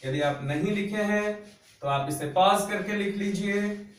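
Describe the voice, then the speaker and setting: A man with a fairly high voice teaches a grammar lesson, drawing out each syllable with slow patience so students can copy along. He stands away from the microphone, and the room gives his voice a strong, roomy echo. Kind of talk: classroom lesson explaining grammar at a board. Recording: roomy echo, voice a bit far from the mic.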